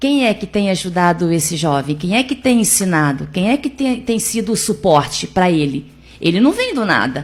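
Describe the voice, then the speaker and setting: Somewhat breathy, a woman's voice swings very widely in pitch. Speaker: behavioral psychologist, interview guest. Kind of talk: radio interview answer.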